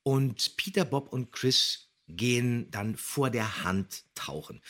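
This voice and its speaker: A man's voice: medium pitch, husky. A man co-hosting a podcast, explaining things casually in a matter-of-fact, opinionated way. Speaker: podcast co-host who recaps and critiques.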